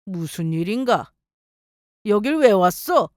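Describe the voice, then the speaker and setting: A woman's voice: medium pitch, lively intonation, takes it slowly, dry recording, clean studio sound. A woman voicing a stern, reproachful older father in a dramatized story reading.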